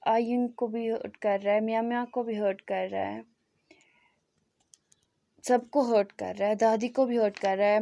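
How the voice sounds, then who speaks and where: A woman's voice: fairly high pitch, gravelly, warm tone. A woman voicing a frightened, tearful young woman who pleads for her brother in a told story. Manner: pleading, fearful. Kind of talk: storytelling fan fiction.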